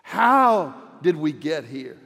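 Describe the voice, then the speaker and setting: An older man, a pastor of many decades, giving a slow, earnest devotional sermon with emphatic repeated words. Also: on the high side, sing-song, gravelly, pushed and bright, long reverb tail.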